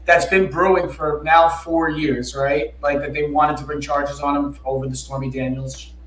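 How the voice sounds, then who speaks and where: A hoarse man co-hosting a podcast with casual, profane banter. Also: a little high, level tone, normal speed, a bit bright, a little hiss or hum. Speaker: podcast co-host. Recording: roomy, echoey room sound.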